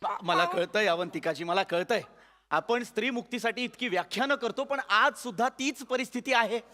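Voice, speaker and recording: A man playing a refined gentleman who lectures in stiff, high-flown, bookish words. His voice sits high and bright. He sounds earnest and formal. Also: normal speed, in a large hall. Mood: lecturing. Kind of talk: stage comedy sketch.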